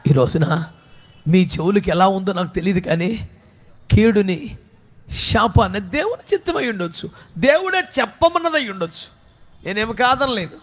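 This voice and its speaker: A man with a Telugu accent preaches a sermon in a strikingly high voice. He pleads softly, then rises into loud exhortation. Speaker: pastor.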